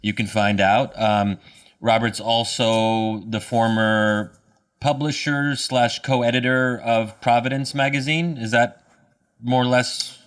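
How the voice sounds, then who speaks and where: A man's voice: mid-range voice, fairly even intonation, takes it slowly, smooth, far from the mic. A man co-hosting a podcast, easygoing and casual as he introduces a guest over a remote call. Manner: easygoing, laughs between phrases. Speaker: podcast co-host.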